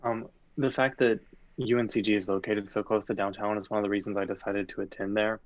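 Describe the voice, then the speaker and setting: A young man from western North Carolina, a student panelist speaking in a steady, measured way on a video call. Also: fairly low pitch, no room sound, muffled recording. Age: young adult. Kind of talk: casual Q&A answers.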